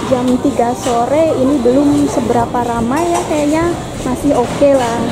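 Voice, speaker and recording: Chatty high-voiced Indonesian woman vlogging outdoors. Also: steady tone, measured pace. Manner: chatty, laughs often, mixes in English. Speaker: vlogger host. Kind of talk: casual travel vlog. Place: busy outdoor street market in a city. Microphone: handheld camera. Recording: loud outdoor street noise. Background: loud street and traffic noise.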